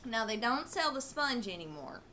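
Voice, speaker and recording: A woman's voice: a little high, very animated, normal speed, sharp tone, a little hiss or hum. A woman playing a blunt, folksy older woman who confides bawdy advice in a comic monologue. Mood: confiding, frank. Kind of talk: comedic character monologue.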